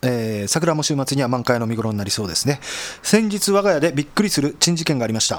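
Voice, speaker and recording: Very wide pitch swings mark this very fast delivery. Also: man, fairly high pitch for a man. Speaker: guitarist and podcast host. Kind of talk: casual chat podcast. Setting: podcast recording, evening.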